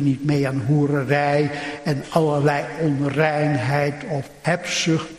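Slow, solemn preacher in echoey church. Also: male voice, sits high, darkish tone. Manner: solemn, rhetorical questions and repetition. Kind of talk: sermon. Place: large church, indoors. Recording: echoey church hall, long reverb.

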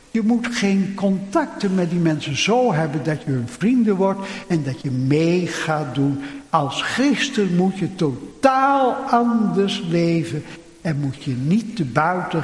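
A man preaching a sermon in a solemn, rhetorical manner, using questions and repetition. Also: fairly high pitch. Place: large church, indoors. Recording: echoey church hall, long reverb.

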